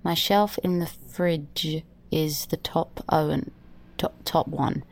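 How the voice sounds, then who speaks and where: An actress playing a sleepy young woman talking softly and drowsily. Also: sits low, takes it slowly, vocal fry, full character voice. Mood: drowsy. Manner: soft, drowsy, murmuring. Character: sleepy young woman waking in her lover's bed.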